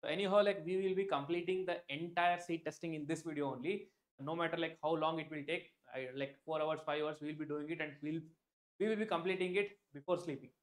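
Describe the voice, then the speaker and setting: A man's voice: fairly high pitch, steady tone, fast talker, poor audio. Chatty Indian man teaching a live class. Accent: Indian English. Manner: chatty, repeats himself, many "like" fillers, addresses viewers by name. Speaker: online exam tutor. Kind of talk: live-stream lecture.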